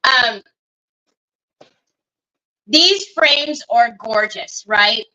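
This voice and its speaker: A woman's voice: a little high, drawn-out words, bright, forceful tone, dull audio. A woman hosting a casual craft livestream, chatting along and greeting viewers by name as she works. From Northern California. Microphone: computer mic on a livestream.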